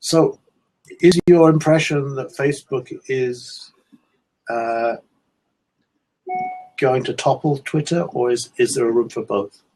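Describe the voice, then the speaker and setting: Older British man, gravelly and husky. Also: mid-range voice, a little mellow, poor audio. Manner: inquisitive, halting restarts. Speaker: guest caller. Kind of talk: casual chat. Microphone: video call.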